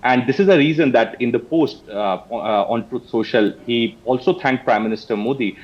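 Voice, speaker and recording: A man with an Indian accent giving live news analysis as a correspondent, with a halting, repetitive delivery. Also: medium pitch, highs cut off.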